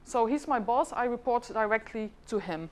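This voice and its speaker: A woman's voice: on the high side, animated, moderate pace. A middle-aged Flemish woman whose first language is Dutch, giving a chatty conference presentation and asking the audience questions. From Flanders, Belgium. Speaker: government department head giving a presentation.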